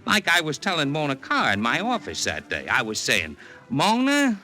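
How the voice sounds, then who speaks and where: Cast: a slangy, swaggering radio-era agent, lively pitch, old broadcast sound. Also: male voice, moderate pace, heavily acted. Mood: brash. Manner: brash slangy patter, calls listener doll. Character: fast-talking male Hollywood talent agent, brash. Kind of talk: 1940s radio acting. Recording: old radio transcription with music.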